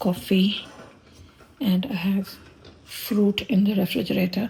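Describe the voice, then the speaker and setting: A woman whispers fairly slowly against noticeable background noise. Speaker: artist vlogger. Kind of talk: travel vlog. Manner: whispering.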